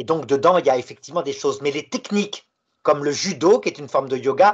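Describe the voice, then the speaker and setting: Very fast speech from a man, fairly high in pitch and with lively intonation. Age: 60s. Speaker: theologian. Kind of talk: panel discussion.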